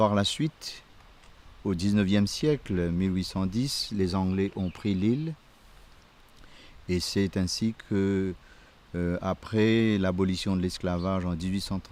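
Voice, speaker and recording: Leaving long, frequent pauses, a man speaks at a very slow pace. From Mauritius. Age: 60s. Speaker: priest and historian. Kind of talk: life story interview. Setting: filmed interview. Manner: halting, with many hesitations.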